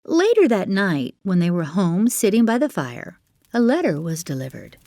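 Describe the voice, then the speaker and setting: A woman narrating a children's fairytale as a storyteller, with expressive delivery and dramatic, drawn-out emphasis. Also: medium pitch, dry recording.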